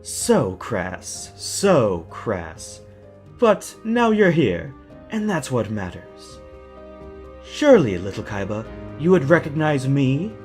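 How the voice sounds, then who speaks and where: A man's voice: medium pitch, big pitch swings, takes it slowly, darkish tone, soft background music. A man playing a suave, menacing villain in an audio drama, talking with theatrical, patronizing courtesy. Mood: gloating, falsely friendly. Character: suavely menacing male villain, mock-polite captor.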